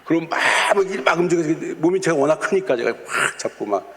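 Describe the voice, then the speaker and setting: A man's voice: a little high, animated, fast, fairly bright tone. A man preaching a sermon as a pastor, telling stories and acting out quotes of kids, chuckling now and then. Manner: storytelling with acted quotes of kids. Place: church sanctuary. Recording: long church reverb.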